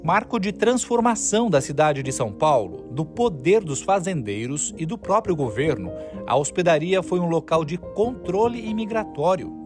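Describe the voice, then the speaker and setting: A man with a Brazilian Portuguese accent reading a scripted news report as a reporter, in a measured, formal way. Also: a little high, very animated. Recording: voice-over with music bed.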